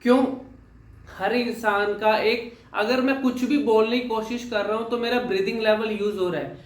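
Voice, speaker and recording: Young male speech coach, high-pitched, explains step by step with repeated phrases; echoey room. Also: fairly even intonation, moderate pace. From Haryana, India. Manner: mixes English terms into Hindi, repeats phrases for emphasis. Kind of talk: explanatory lesson talk.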